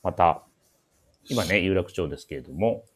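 Male host, deep voice, casual radio chat, drily teasing co-presenters. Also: expressive, moderate pace, breathy edge. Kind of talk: casual talk show chat with event announcements.

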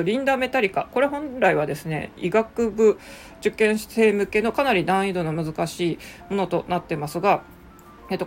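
A woman's voice: on the low side, darkish tone, a little hiss or hum. A woman who teaches English, talking casually on her own show with lots of fillers and asides. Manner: chatty, frequent fillers and asides. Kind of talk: casual solo talk.

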